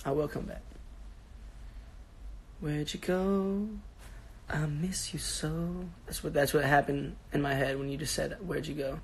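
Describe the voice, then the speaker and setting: A young man in his twenties with a raspy, sick-sounding voice, chatting casually and answering fans on a phone livestream from his bedroom. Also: a little high, poor audio. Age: 20s. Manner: laid-back, rambling, slangy, answering fans. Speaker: social media personality on a livestream. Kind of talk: casual livestream chat reading comments. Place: bedroom at home.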